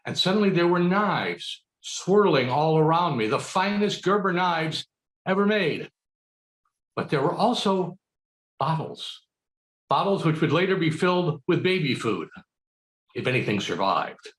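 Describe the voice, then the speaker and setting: A middle-aged American man gives a theatrical comic speech in a mock-earnest, dramatic way with pauses, over a video call. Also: a little high, expressive. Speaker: speech contest speaker. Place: book-lined room at home. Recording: roomy, echoing video call.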